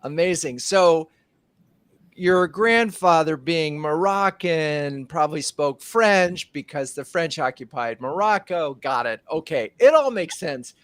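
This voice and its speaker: A man's voice: a little high, animated, takes it slowly, fairly bright tone, clean tone, dry recording. A man hosting a live streamed marketing show from his home studio, upbeat, moving from a scripted welcome into chatty questions. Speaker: host.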